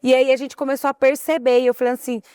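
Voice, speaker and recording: A woman tells a school story on a podcast, lively and full of quoted dialogue. Her voice is high. The recording is dry and close. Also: quick pace, clear, resonant tone, no echo. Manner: animated storytelling, quotes others. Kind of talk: casual chat.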